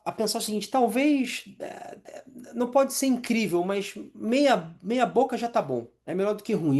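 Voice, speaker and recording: A man's voice: high-pitched, a little mellow. A man who is a hypnotherapist and mental coach, teaching a live masterclass in a conversational way and asking the audience questions. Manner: conversational, asks the audience questions, acts out inner voices.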